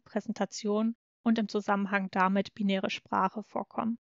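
A woman in her twenties co-hosts a chatty podcast, her voice carrying a gravelly fry. The sound is dry and a little dull, like a home podcast mic. She speaks in an even, measured way. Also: mid-range voice, dry recording. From Germany. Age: 20s. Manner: reads content notes in a measured way. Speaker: podcast co-host. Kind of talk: casual podcast chat.

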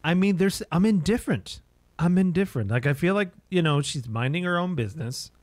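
A man's voice: a little high, lively intonation, a little fast, no room sound. A man in his thirties giving casual, half-joking commentary as he plays a horror game. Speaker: streamer playing a horror game. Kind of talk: casual gameplay commentary and reaction.

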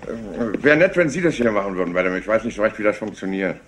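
An actor playing a polite, absent-minded police inspector who rambles apologetically and hesitantly in a crime drama. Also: male voice, lowish voice, big pitch swings, fast talker, a bit bright, faint music behind. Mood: apologetic. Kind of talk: dubbed TV crime drama acting.

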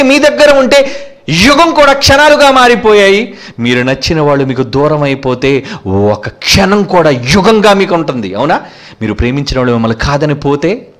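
A man with a Telugu accent preaching a sermon, asking rhetorical questions and acting out quoted speakers. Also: high-pitched. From India. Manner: animated, rhetorical questions, acts out quoted lovers.

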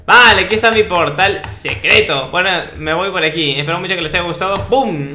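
High, bright-voiced young Peruvian man. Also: fairly quick. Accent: Peruvian Spanish. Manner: mock-boastful, cocky. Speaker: gaming video host. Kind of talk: casual Minecraft gameplay commentary. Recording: roomy sound with faint background noise.

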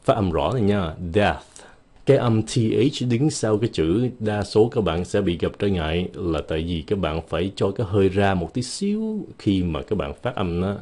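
A man with a low, mellow voice teaches English vocabulary in a relaxed, chatty way. His first language is Vietnamese, and he drops into slow, careful pronunciation whenever he models an English word. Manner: slows down sharply to model English words. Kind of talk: casual explanatory lesson.

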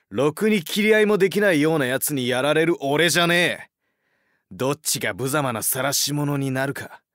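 A man playing a brash young swordsman hero who taunts his foe in rough, defiant speech, anime-style. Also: on the high side, pushed and bright, no room sound, clean studio sound. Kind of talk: anime-style dramatic acting.

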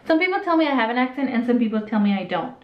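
A woman's voice: a little high, very animated, rapid-fire, slight background noise. A woman in her late twenties with a light Hispanic accent, chatting candidly as she answers viewer questions. She often trails off and restarts her sentences. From El Salvador, raised in Southern California. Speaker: vlogger. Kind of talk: casual Q&A while doing makeup. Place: small indoor room with a curtain backdrop. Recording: roomy, slightly dull sound.

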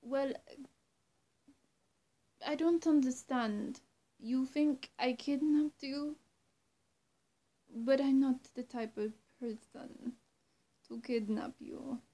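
Woman playing a high-voiced, coy female vampire. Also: warm tone, heavily acted. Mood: flustered. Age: young adult. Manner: coy, halting, cooing endearments. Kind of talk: ASMR-style roleplay addressed to the viewer. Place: small indoor room, seated on a bed. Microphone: camera or phone at arm's length.

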